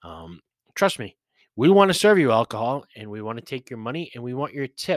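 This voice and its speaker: A man with a Boston accent speaks at a moderate pace with very wide pitch swings, recorded very cleanly against a silent background in a dry, close sound with no echo. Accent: Boston-area New England. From Massachusetts, Worcester. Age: 50s. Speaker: spirits podcast host. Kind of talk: casual monologue.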